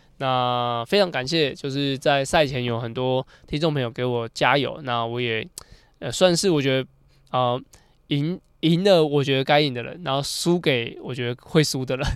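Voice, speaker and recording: At a moderate pace, a man talks in a medium-pitched voice with ordinary pitch variation. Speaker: podcast host and triathlete. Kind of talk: casual solo podcast talk. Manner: hesitant with many fillers.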